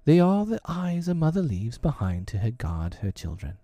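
A man voicing a gentle, anxious mother in a storybook, tender and entreating. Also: mid-range voice, very animated, moderate pace, dry recording, voice pushed up, natural voice. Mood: tender reassurance. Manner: entreating, hushed concern.

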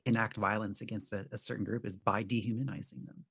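Podcast host, relaxed and dry. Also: medium pitch, fast, husky, no room sound. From Canada. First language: Arabic. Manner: relaxed, reflective, with filler "um" and "like". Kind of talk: casual interview chat.

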